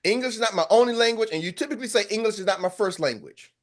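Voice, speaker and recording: On a group call, an American sales coach with a high voice delivers a rapid-fire motivational pep talk. Fiery and preacher-like, he hammers his points through repetition and pushes listeners with unflagging energy.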